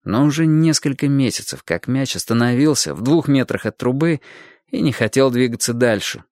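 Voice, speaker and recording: A man narrating a literary story with expressive, lively storytelling. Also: mid-range voice, normal speed, no room sound, clean studio sound. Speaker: audiobook narrator.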